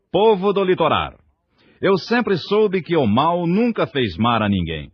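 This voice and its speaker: On a dull, lo-fi recording, a Brazilian diction teacher reads a scripted lesson in a husky voice on the low side. He pronounces every syllable with careful precision.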